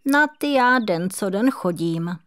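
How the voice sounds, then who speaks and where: A woman voicing a cheerful, kind female squirrel in a children's audiobook, gentle and encouraging. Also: medium pitch, lively intonation, lightly acted.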